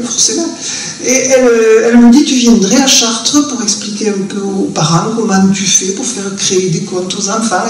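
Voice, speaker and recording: A woman's voice: on the high side, darkish tone. An older woman with a southern French accent talks earnestly as a guest storyteller, circling back and restarting her thoughts. She is picked up by a distant mic in a very echoey room. A faint hum of room noise sits underneath. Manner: earnest and reflective, with frequent restarts. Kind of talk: conversational talk at a live event. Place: festival conversation venue indoors.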